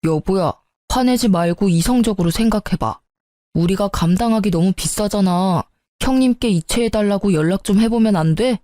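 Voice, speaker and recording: A woman's voice: medium pitch, normal speed, dark tone, no echo, studio quality, natural voice. A woman voicing a tactless, sulky young husband in a story radio drama, whining and self-justifying.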